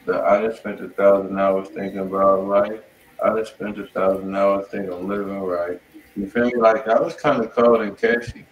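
A man's voice: fairly low pitch, steady tone, normal speed, dull audio. An American man hosting a music review, giving casual, slangy, conversational feedback. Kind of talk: casual spoken feedback on submitted songs. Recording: roomy, distant mic, faint noise.

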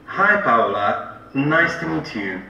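A man plays a friendly adult man in a scripted textbook dialogue. The voice is bright and lively, and the pace is slow and carefully enunciated. It sounds dull and roomy, heard from some distance with faint ambience. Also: medium pitch, gravelly, a little hiss or hum, full character voice. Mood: plain. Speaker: recorded course narrator and dialogue speaker. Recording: roomy, dull audio played through a speaker.

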